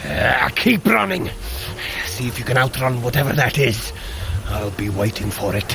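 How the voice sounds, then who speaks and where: A man's voice: medium pitch, animated, normal speed, vocal fry. A man playing a bold Norse thunder god and warrior leader in an audio adventure, hearty and commanding, with grand archaic speech. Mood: battle-ready, urgent. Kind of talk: dramatic audio adventure acting.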